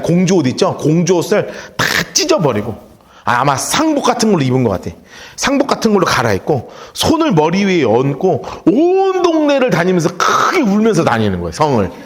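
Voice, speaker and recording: A male pastor teaches a Bible study in church, his voice sitting a little high. He tells the story with wide, lively swings in pitch and briefly takes on the voices of the characters. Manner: storytelling, acts out the characters' lines.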